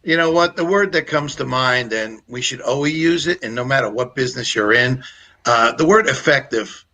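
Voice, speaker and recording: A man who trains public speakers, giving practical advice in a relaxed, joking way over a video call with a lapel mic. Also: medium pitch, normal speed. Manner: practical, explanatory, jokes easily. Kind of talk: casual coaching advice on a livestream.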